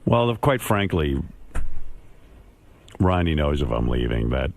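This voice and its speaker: A man's voice: rumbling low, big pitch swings, unhurried, a little mellow. A man hosting a radio talk show, teasing his guests and laughing often. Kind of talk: casual radio chat.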